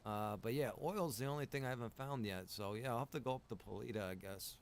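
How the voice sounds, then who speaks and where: A man's voice: medium pitch, fast. A man with a middling voice chats casually in an online survival roleplay. He is easygoing and a little hesitant, with some noise behind him. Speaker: roleplay game streamer playing a survivor. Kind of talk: improvised in-character casual chat. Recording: noisy game voice chat.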